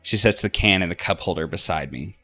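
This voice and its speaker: A man reading a visual novel aloud as expressive first-person narration for a let's play. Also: low voice, brisk, soft background music. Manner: acts out dialogue between narrated passages.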